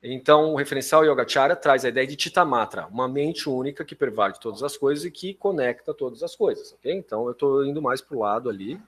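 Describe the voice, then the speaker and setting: A man with a Brazilian accent lectures like a university professor. He explains step by step, often checking that listeners follow, and corrects himself as he goes. His pitch sits in the middle for a man, and he slips into informal asides. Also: a little fast, few pauses, a bit bright. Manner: didactic, frequent check-in questions to listeners.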